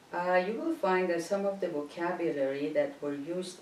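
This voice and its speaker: Amid noticeable background noise and audible room echo, a woman with a non-native accent talks at a moderate pace in a fairly even intonation. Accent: foreign accent, non-native English. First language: not English (English is third language). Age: old. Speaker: language teacher. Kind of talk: tutorial. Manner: hesitant with fillers.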